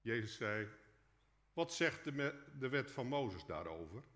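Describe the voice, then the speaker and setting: A man's voice: mid-range voice, big pitch swings, a little slow, fairly bright tone. Man preaching in an echoing church. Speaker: preacher, guest speaker in a church. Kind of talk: sermon read from a prepared text. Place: large church hall, indoors. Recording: echoey church hall with long reverb.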